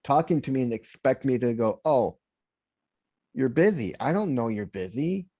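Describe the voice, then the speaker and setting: A man hosts a casual podcast interview and asks his questions plainly and directly. His voice sits at an ordinary pitch, and the recording is dry and close. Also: animated, normal speed, warm tone, slightly rough, dry recording. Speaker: podcast host.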